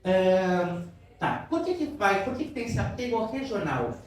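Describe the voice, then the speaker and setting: High-voiced man teaching in an echoey room. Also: big pitch swings, unhurried. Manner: keeps checking in with students, asking questions; affectionate with the class. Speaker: literature teacher. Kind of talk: classroom lecture. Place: classroom in a cultural center. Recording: very echoey room, voice from far off, faint noise.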